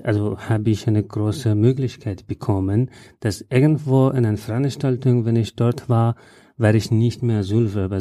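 A man with a very dark, mellow voice, recorded dry and close. He speaks in halting, phrasing and fills his pauses with hesitations as he answers questions in an interview. The sound is deadened, with no room echo. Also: lowish voice. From Afghanistan. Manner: halting non-native German with frequent "äh" fillers. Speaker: guest, journalist.

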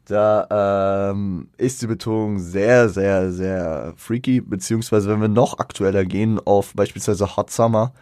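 A man's voice: on the low side, steady tone, a little slow, hardly any pauses, mellow, no echo, studio quality. A man giving a casual spoken music review, hesitant, with many fillers, restarts and colloquial slang.

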